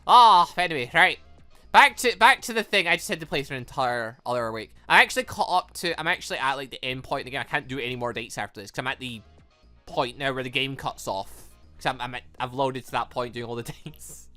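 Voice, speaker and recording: A gaming host talking in an excitable, rambling let's play style. The voice is bright and forceful, with pitch that jumps around a lot. Faint music plays underneath. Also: fast talker. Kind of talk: casual let's play commentary.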